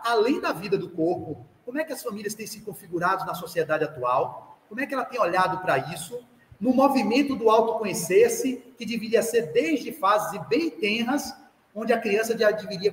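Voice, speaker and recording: A Brazilian man giving a live spiritist lecture, lively and joking, who talks straight to his listeners and acts out the parents he quotes. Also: high voice. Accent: Brazilian Portuguese. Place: spiritist center hall. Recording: echoey hall recording with light background noise.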